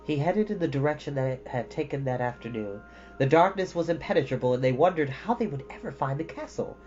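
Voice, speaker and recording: A man's voice: fairly high pitch, expressive, fast, a little mellow. A man narrating a storybook expressively as a storyteller. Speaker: storyteller reading a children's novel. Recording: dull lo-fi audio with music. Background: background music.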